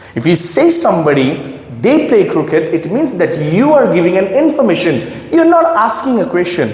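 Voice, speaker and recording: A woman at medium pitch with very wide pitch swings and very even loudness, plus audible room echo and noticeable background noise. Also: moderate pace. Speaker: English teacher. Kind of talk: tutorial.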